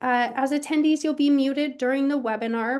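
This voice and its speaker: Loud and with a high pitch, a woman in an American accent speaks at a moderate pace with ordinary pitch variation over a quiet background. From Montana. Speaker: nonprofit development director and webinar moderator. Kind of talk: webinar moderation. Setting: online webinar. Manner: speaking as loudly as she can.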